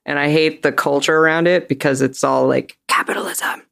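A man who works as an illustrator, co-hosting a podcast in a relaxed, filler-heavy way. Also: on the high side, a little fast, creaky, clean tone. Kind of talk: casual chat.

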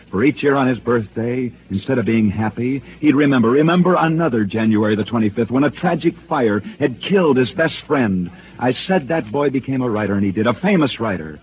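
A man hosting and narrating dramatic true stories in scripted radio style, with theatrical pauses. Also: medium pitch. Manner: theatrical storytelling with emphatic pauses. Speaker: sports storyteller host. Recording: tinny old radio broadcast with hiss.

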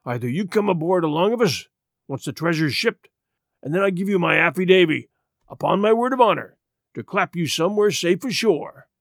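A man voicing a rough, wrathful pirate ringleader who wheedles and threatens in salty sailor talk, for an audiobook. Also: high-pitched, expressive, brisk, dry recording. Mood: wheedling, bargaining.

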